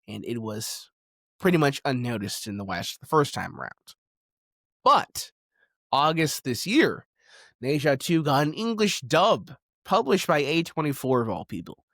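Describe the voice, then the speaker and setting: A man's voice: mid-range voice, a bit bright, dry recording, studio quality. Emphatic man giving opinionated video commentary. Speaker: video essayist.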